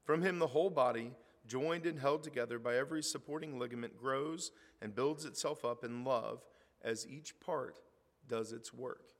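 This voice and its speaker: Hoarse middle-aged preacher in a hall. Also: male voice, medium pitch, normal speed. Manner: conversational, reads scripture aloud with rising emphasis. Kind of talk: sermon. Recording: reverberant hall.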